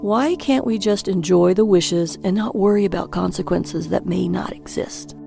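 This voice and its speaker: Woman playing a creaky, boyish, childlike husband. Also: fairly low pitch, warm tone, faint music behind. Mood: hopeful. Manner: matter-of-fact, slow and deliberate phrasing, turning boyish. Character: boyish, childishly enthusiastic, easily wounded husband. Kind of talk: audiobook character dialogue.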